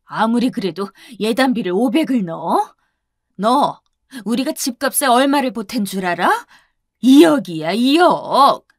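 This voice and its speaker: A woman's voice: medium pitch, expressive, a little slow, no echo, studio quality. A woman voicing a haughty, furious middle-aged future mother-in-law who berates with contempt. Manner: contemptuous, shouting.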